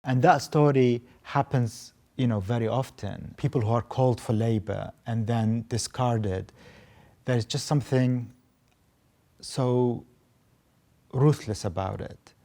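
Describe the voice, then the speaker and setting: A man's voice: mid-range voice, slow, creaky, mellow. A man, a playwright, talking reflectively in interview style.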